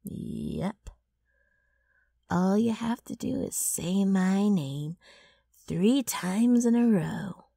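A woman playing a brash, mischievous ghoul with a rough, gravelly voice and a wheedling, sardonic manner in an ASMR roleplay. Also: mid-range voice, extremely slow, pauses often, mellow, dry recording, clean studio sound, heavily acted. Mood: pushy salesmanship. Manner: wheedling, sardonic, drawling with abrupt swings.

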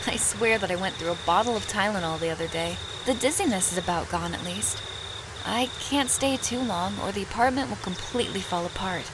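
A woman's voice: mid-range voice, brisk, background noise, close to an everyday voice. An actress playing a troubled, wistful young female student in an audio drama, earnest and hesitant. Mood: weary. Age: young adult.

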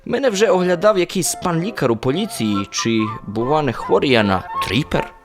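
A man's voice: on the high side, expressive, fairly quick, music in the background, close to an everyday voice. A man acting in a radio drama as a good-natured, naive, chatty soldier who is deferential and folksy while being questioned. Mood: innocently cheerful. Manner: deferential, rambling, folksy politeness.

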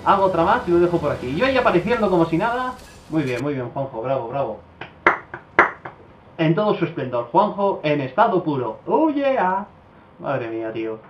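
A man from giving casual commentary over his own gameplay, swearing a lot and breaking into loud outbursts. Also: a little high, a little fast, reverberant, background noise. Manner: swears often, bursts into excited outbursts.

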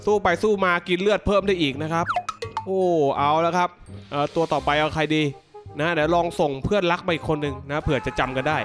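A man hosting a gaming video, giving excited gameplay commentary full of exclamations as he reacts aloud to the action. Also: on the high side, fast talker, over music.

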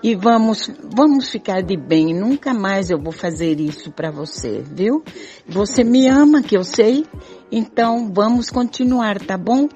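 A woman's voice: medium pitch, expressive, a little slow, mellow, close to an everyday voice. An older woman playing a coaxing, self-assured mistress in an amateur radio soap opera. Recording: muffled lo-fi audio with music.

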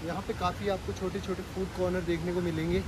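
Excitable high-voiced vlogger man outdoors. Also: quick pace, noisy background. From Delhi. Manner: chatty, excitable, talks to camera and strangers. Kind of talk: casual travel vlog. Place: outdoors in a rainy forest area.

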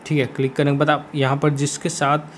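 A man's voice: a little high, completely flat delivery, quick pace. A man with an Indian accent explaining steps in a casual gaming screen tutorial, repeating his instructions as he goes. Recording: faint background noise.

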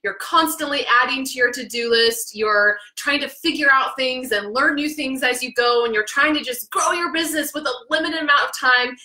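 Hyper, loud woman podcast host. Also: high-pitched, normal speed, few pauses, echoey room. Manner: hyper, excitable, naturally loud, laughs often. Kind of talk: energetic live video podcast. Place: small home office. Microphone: studio mic with headphones.

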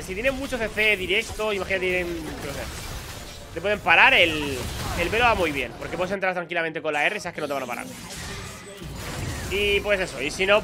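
Excitable high-voiced gamer man. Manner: chatty and excitable, taunting enemies aloud. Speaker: gaming YouTuber. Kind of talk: live gameplay commentary.

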